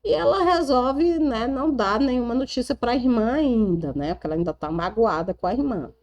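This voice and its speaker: A woman's voice: a little high, expressive, a little fast, a little mellow. Chatty Brazilian woman retelling a novel. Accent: Brazilian Portuguese. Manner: chatty, tag questions, restarts. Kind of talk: casual storytelling.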